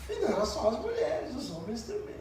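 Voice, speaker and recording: A man's voice: very high voice, very animated, fast talker, a little mellow. A Brazilian man preaching a sermon as pastor, talking in a conversational storytelling way with frequent tag questions. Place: church sanctuary. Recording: very echoey church, distant mic, faint noise.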